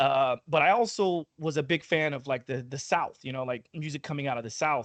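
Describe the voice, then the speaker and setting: Against a quiet background, a man with an unremarkable speaking voice talks at a moderate pace and a fairly high pitch, the sound dry and close with no echo. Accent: American. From Oklahoma. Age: 40s. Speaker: podcast host, personal trainer. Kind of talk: casual interview chat.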